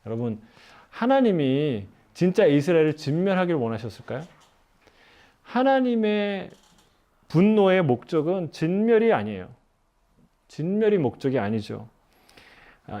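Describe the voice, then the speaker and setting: A man's voice: fairly high pitch, a little mellow. A middle-aged man preaching a sermon in church, talking conversationally, asking the congregation questions and laughing at his own stories. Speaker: pastor. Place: church sanctuary.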